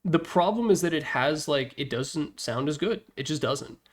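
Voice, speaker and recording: A man with a slightly high voice presents his rankings in an informal, opinionated way. He talks casually, drops in mild swearing and adds wry asides as he goes. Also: expressive, normal speed. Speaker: presenter of a tier list slideshow video.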